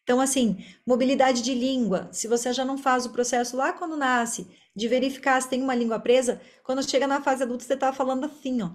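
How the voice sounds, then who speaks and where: A woman's voice: sits high, steady tone, fast talker, few pauses. A Brazilian woman speaking as an interview guest, a speech therapist explaining her work in a talkative, conversational way. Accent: Brazilian Portuguese.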